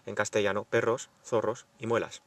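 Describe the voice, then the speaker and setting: A man's voice: lowish voice, steady tone, moderate pace, a bit bright, no echo. A man presenting a language lesson, carefully reading out rules and example words. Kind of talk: scripted lesson narration.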